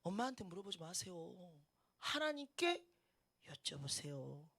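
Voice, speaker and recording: A middle-aged woman pastor preaching a sermon, swinging between loud emphatic lines and hushed ones, and acting out the voices she quotes. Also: on the low side, very animated, unhurried, slightly rough. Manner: emphatic preaching with sudden loud outbursts and drops to a hush; acts out quoted voices and laughs at her own stories.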